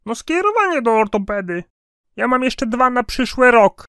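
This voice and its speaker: A man's voice: very high-pitched, very animated, moderate pace, a bit bright, smooth, no echo, clean studio sound, heavily acted. An actor playing a muddled seventy-year-old man in a cartoon sketch, complaining in a plain-spoken way. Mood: matter-of-fact. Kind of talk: cartoon comedy sketch dialogue.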